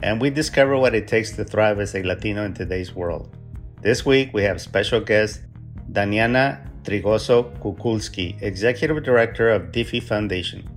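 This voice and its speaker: A man's voice: fairly low pitch, moderate pace. Man hosting a podcast, with faint music. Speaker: podcast host. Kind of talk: scripted intro and interview questions.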